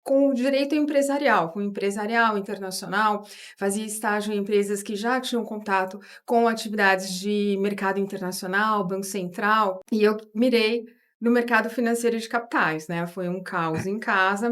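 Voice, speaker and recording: A woman from São Paulo with that city's accent tells her career story to an interviewer. Her voice sits in the middle of the range, and her delivery is thoughtful, with tag questions and restarts along the way. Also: mid-range voice. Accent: São Paulo Portuguese. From São Paulo, Brazil. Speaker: guest, board advisor.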